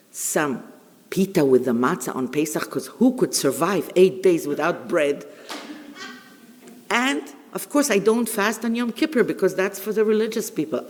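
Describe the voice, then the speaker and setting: A woman's voice: fairly low pitch, darkish tone. Older Israeli woman storyteller in a reverberant hall. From Israel, born in Bulgaria. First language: Ladino. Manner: theatrical, wry, deliberate pauses. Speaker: public speaker, veteran journalist. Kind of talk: humorous personal storytelling to an audience.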